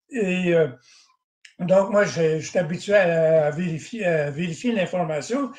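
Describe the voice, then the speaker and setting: A man, a guest recalling his past at length and often clearing his throat. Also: a little high, a little slow, a little mellow. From Northern Ontario, Canada. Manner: frequent throat-clearing, digressive. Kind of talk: rambling personal recollection. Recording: roomy echoey sound.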